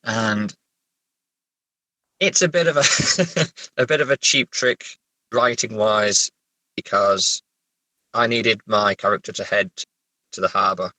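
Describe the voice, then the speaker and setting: Bright-voiced man, haltingly spoken. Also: on the low side, dry recording, low-quality recording. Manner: hesitant, stammering, self-deprecating. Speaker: guest writer discussing own story. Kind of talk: casual interview chat.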